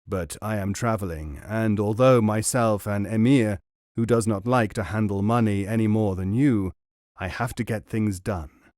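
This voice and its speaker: A man's voice: fairly low pitch, normal speed, a little mellow, dry recording, studio quality, close to an everyday voice. A man voicing a proud young male Arab prince who speaks formally and insistently.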